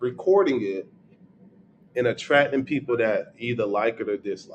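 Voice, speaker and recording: The pitch rises and falls across a very wide range. The speaker has a Southern US accent. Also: man. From US South. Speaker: business and content creator. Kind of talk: casual chat. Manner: slow.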